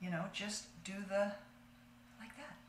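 Audible room echo and light background noise fill the recording. A woman speaks at a moderate pace. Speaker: makeup tutorial host. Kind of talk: casual tutorial chat. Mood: chatty, playful. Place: home room.

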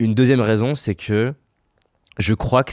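A man talks at a moderate pace, recorded as a dry sound with no echo against a quiet background. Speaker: podcast interviewer. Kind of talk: casual interview chat. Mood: calm, thoughtful. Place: studio. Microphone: studio mic.

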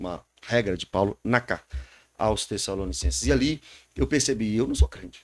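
Vocal fry runs through a man's fairly quick speech, which swings very widely in pitch. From Brazil. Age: 30s. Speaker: pastor. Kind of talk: casual interview. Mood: earnest, preaching tone. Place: studio. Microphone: studio mic.

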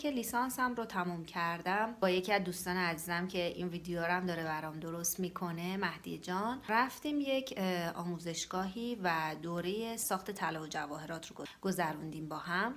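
A woman's fairly low-pitched voice at a moderate pace, with ordinary pitch variation. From Iran. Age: 30s. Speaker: art teacher. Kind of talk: interview. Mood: calm, reflective. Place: home room. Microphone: phone near.

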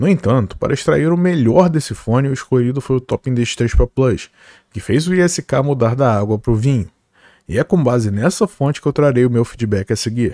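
The man's voice has a dark, mellow tone at medium pitch, with lively intonation at a moderate pace. The recording is very clean with a silent background and a dry, close sound with no echo. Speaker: headphone reviewer. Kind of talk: scripted narration.

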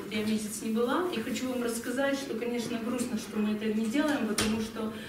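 Against light background noise and audible room echo, a woman talks at a fairly quick pace with ordinary pitch variation. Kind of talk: sermon-like testimony to congregation. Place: church.

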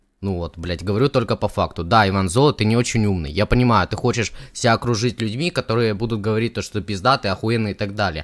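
Against a quiet background, a man with a fairly low pitch and ordinary pitch variation speaks at a very fast pace. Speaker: streamer reacting to a video. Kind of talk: casual reaction stream commentary, heavy swearing. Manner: animated. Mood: blunt, critical, profane. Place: home room. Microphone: lapel.

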